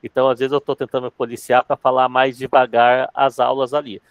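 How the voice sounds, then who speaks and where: Fast-talking man, dry close sound. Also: mid-range voice, level tone, dry recording, muffled recording. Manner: fast-talking, calls himself accelerated. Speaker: sales trainer. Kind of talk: casual live class chat.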